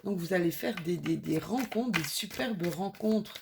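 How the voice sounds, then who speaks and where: A woman's voice: lowish voice, expressive, moderate pace, gravelly, noisy background. A woman with a slight cold giving an intuitive card reading to her viewers in a soothing, reassuring way, with many fillers and restarts. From France. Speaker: tarot card reader.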